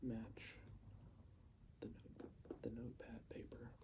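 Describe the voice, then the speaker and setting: Speech arrives at a very slow pace. It is whispered throughout. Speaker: ASMR creator. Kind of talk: ASMR soft-spoken show and tell. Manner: soft-spoken.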